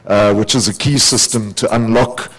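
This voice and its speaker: Low gravelly voice guy, panel speaker, lots of uhs, calm update. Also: moderate pace. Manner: steady explanatory, many "uh" fillers. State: gravelly voice from overuse. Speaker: panelist, program team leader. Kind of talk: conference panel remarks. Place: conference hall.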